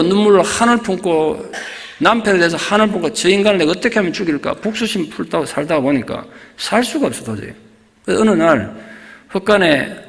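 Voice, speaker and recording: A male pastor retelling a story in a sermon, with vivid, emotional storytelling. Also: fairly high pitch. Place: church sanctuary. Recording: long church reverb.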